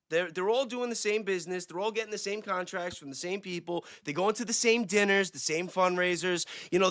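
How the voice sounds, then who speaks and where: Sitting high, this man's voice is bright and forceful, captured at studio quality with no echo. He's a self-described independent investigator appearing as a livestream guest, speculating in casual, informal talk sprinkled with slang.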